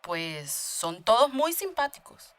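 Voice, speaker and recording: A woman's voice: on the high side, sing-song, takes it slowly. A woman reading a scripted chatty dialogue for a beginner language lesson.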